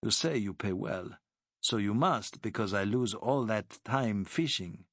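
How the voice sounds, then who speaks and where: A man's voice: on the low side, a little slow, no echo, clean studio sound. A man doing a proud, courteous Arab sea captain. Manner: formal, broken English, courteous. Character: proud, shrewd middle-aged Arab boat captain.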